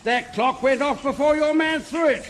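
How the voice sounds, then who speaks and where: An actor playing a blustering, curt, easily exasperated English army captain in a radio sitcom. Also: male voice, extremely high pitch, normal speed, fairly bright tone. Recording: noisy old radio comedy recording.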